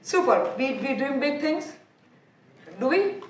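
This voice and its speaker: A high-voiced woman with an Indian accent gives an animated motivational talk to an audience in a large auditorium. She keeps asking the crowd questions and repeats her words as she goes. Her voice rings through a roomy hall and sounds a little far from the mic. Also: slow pace, a little hiss or hum. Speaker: motivational speaker. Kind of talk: live conference talk. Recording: echoey hall, heard from off.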